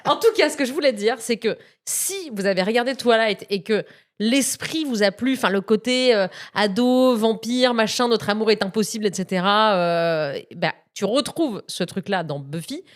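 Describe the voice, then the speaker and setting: A woman's voice: medium pitch, moderate pace. A young woman hosting a casual film podcast, bubbly and chatty, laughing often as she talks. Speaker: podcast host.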